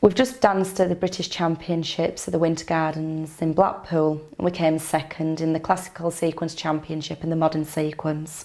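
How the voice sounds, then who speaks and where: A woman's fairly low, dark, mellow voice in a West Yorkshire accent, at a moderate pace with hardly any pauses and fairly even intonation. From northern England, Bradford area. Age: 20s. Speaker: ballroom dancer and nursery nurse. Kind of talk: documentary interview.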